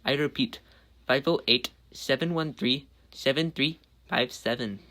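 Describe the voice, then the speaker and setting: A man's voice: mid-range voice, measured pace, sharp tone. A man playing a law-firm announcer in a homemade mock radio commercial. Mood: salesy.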